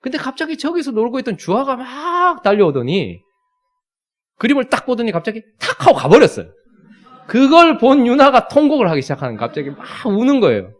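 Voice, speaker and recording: A man's voice: very high voice, very animated, fairly quick. A man, preaching a sermon and telling a family story, acting out the scenes. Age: 30s. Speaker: pastor.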